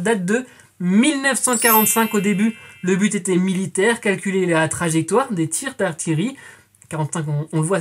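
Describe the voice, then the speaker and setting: A woman's voice: medium pitch, husky. A woman in her twenties hosting a scripted educational quiz, chatty and playful, calling her viewers friends and adding jokey asides. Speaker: quiz show host.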